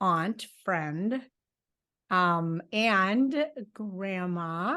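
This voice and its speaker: Against a quiet background, a woman talks with a Minnesotan accent. Her pitch is medium, with ordinary pitch variation. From US Midwest, Minnesota. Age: 50s. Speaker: breast cancer survivor. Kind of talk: interview.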